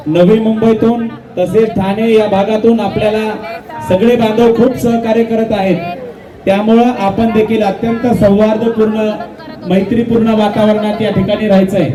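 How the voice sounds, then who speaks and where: A man making firm, pleading announcements to a protest crowd through a loudspeaker. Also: sits high, flat delivery, normal speed, music in the background. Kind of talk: public address announcements to a crowd. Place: outdoor protest ground. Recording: echoey loudspeaker heard from far off, loud crowd. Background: large crowd.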